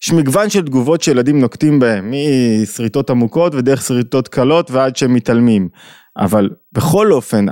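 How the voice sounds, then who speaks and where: This lecturer on Jewish thought has a mid-range, slightly mellow voice, captured in clean studio quality with no echo. He teaches reflectively, putting questions to his audience and voicing the people who appear in his examples.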